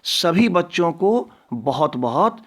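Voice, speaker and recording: A man's voice: on the high side, very animated. A male Sanskrit teacher going through a school syllabus for his students, patiently repeating what they must and must not study. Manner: slow, patient, repeats each item.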